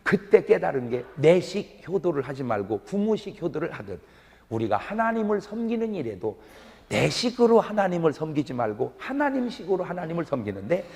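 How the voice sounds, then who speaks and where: Older male preacher, higher pitch, animated delivery with sudden loud bursts, long hall reverb. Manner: lively preaching, call-and-response questions, bursts of loud exclamation; folksy humorous storytelling. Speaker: pastor. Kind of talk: sermon.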